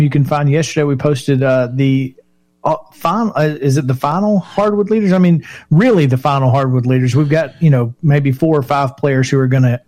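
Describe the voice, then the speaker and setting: A man's voice: a little high, darkish tone. A man co-hosting a local sports radio show, chatty and laughing often, restarting his sentences. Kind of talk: casual sports talk radio.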